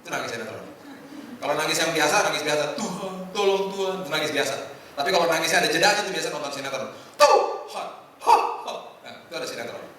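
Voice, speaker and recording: A middle-aged male pastor giving a lively, humorous sermon and acting out the lines he quotes. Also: fairly high pitch, very fast, slight background noise. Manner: animated, humorous preaching with acted-out quotes. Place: hotel function hall. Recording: echoey hall from far off.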